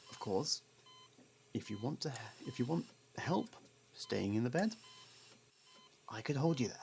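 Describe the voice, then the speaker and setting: A man playing a sardonic, guarded ex-prisoner who reluctantly worries about a partner, in a halting, intimate ASMR roleplay monologue. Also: medium pitch, animated, gravelly, a little mellow, slight background noise. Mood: dry, teasing.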